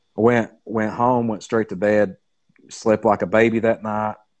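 A man with a Southern US accent speaks in a fairly low voice against a quiet background. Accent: Southern drawl. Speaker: paranormal investigator guest. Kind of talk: casual interview, telling personal stories. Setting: video call.

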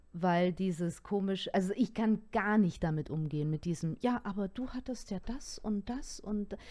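Lively intonation from a woman with an unremarkable speaking voice, at a moderate pace, on a very clean recording with a silent background. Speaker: podcast co-host. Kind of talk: casual chat.

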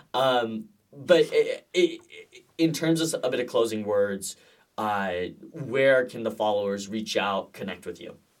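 Delivered in a normal speaking voice at a fairly slow pace, the speech has lively intonation and big swings in loudness. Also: man, medium pitch for a man. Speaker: podcast host. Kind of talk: casual chat.

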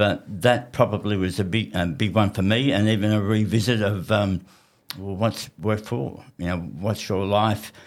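With an Australian accent, a man speaks at a fairly low pitch, showing ordinary pitch variation and big swings in loudness. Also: moderate pace. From Australia, Newcastle NSW. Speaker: security business owner. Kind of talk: podcast interview.

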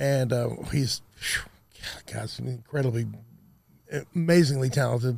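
With a Texan accent, a somewhat breathy man speaks at a moderate pace and medium pitch, his intonation fairly even and his pauses long and frequent. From Texas. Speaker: music producer and mixing engineer. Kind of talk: casual chat. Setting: recording studio.

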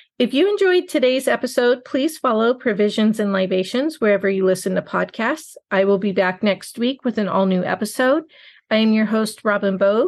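Against a quiet background, a woman with an American accent talks in a plain, everyday voice at a fairly high pitch and fairly quick pace, her intonation lively and her loudness very even. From central coast of California. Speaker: podcast host. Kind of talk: casual interview; scripted outro.

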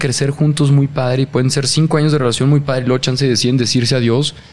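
The speech moves at a very fast pace. The voice is somewhat breathy. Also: man. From northern Mexico (Torreón). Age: 20s. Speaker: motivational speaker and content creator. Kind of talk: casual chat.

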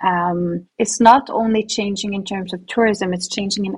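A woman's somewhat breathy voice in a Swedish accent, medium in pitch, at a moderate pace with fairly even intonation. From Sweden, partly raised in southern Spain. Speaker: hotel guest experience manager. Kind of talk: interview. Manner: halting, many fillers.

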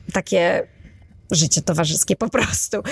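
At a moderate pace, a woman uses a normal speaking voice with ordinary pitch variation. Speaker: podcaster. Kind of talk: personal monologue.

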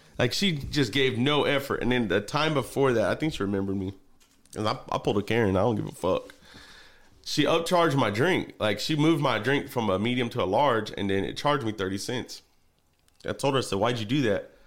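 With an American accent, a man talks at a fairly quick pace in a plain, everyday voice of medium pitch, his intonation lively, on a very clean recording with a silent background. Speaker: new father. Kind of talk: casual chat.

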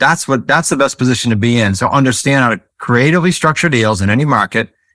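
A man's medium-pitched voice in a New England accent, bright and sharp in tone, with lively intonation at a very fast pace on a very clean recording with a silent background. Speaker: real estate investor and author. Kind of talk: interview chat. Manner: fast talker.

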